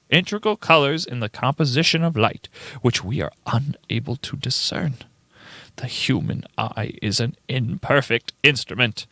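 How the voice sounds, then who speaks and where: A man playing a frantic, paranoid old grandfather reading his diary aloud in a theatrical, halting horror radio-play style. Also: medium pitch, sharp tone, dry recording, full character voice. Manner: theatrical, halting, emphatic delivery.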